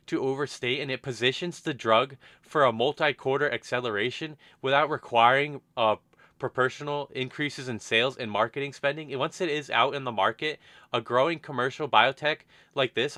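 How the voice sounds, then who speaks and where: Bright-voiced man analyzing a stock. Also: mid-range voice, dry recording. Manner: thoughtful, with frequent restarts and fillers. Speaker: investment channel host. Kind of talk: unscripted stock analysis monologue.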